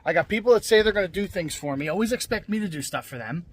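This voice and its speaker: A man's voice: sits high, animated, fast. A man talking casually on his vlog, blunt and venting, swearing freely and restarting his sentences often. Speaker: scrap-metal vlogger. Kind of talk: casual rambling vlog talk.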